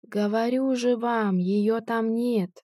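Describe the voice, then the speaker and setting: A woman voicing a drunk, cold-blooded male tramp who robs graves, speaking slowly and sneeringly in an audiobook. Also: on the high side, steady tone, warm tone, dry recording, clean studio sound.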